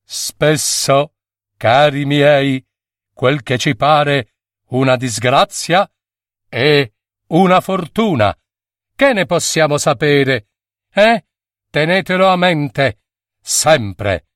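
Solemn old storybook sorcerer, slow sententious advice, voiced by a man, dry sound. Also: a little high, animated, fairly bright tone, no echo, exaggerated voice.

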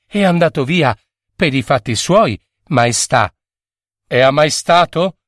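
Man playing a self-assured peasant girl, storybook, quiet composed manner, dry close recording. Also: on the high side, animated, takes it slowly, dry recording.

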